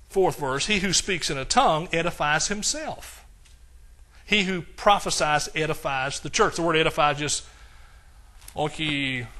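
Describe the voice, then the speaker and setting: An older male preacher gives a sermon in a bright, forceful voice that sits somewhat high for a man. He reads scripture with mounting emphasis, then eases into relaxed, conversational asides.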